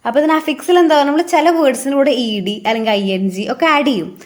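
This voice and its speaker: Chatty higher-pitched tutor woman, Malayali accent. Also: animated, quick pace. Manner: conversational, repeats and restates points, asks rhetorical checks. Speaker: exam tutor. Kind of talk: casual explanatory lesson.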